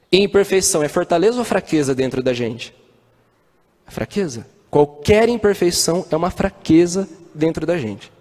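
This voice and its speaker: A man's voice: on the high side, a little mellow. A man with a Brazilian accent giving a spiritist talk, telling stories and asking the audience rhetorical questions. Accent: Brazilian Portuguese. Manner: storytelling, acts out quoted voices, rhetorical questions. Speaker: spiritist lecturer. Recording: long hall reverb.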